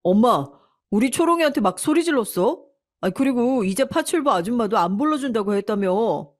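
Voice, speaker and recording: A woman's voice: a little high, animated, normal speed, pitched above the performer's own voice. An indignant grown son whining defensively at his mother, as a woman storyteller acts him out. The voice stays close to the narrator's own, only a little raised and petulant. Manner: complaining, defensive. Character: adult son, indignant and whiny.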